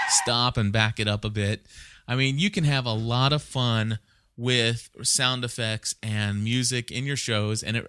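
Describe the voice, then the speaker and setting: A man's voice: medium pitch, a bit bright, clean tone, no room sound, studio quality. A man hosting a podcast, rambling casually and conversationally as he thinks aloud and gives advice. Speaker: podcast host.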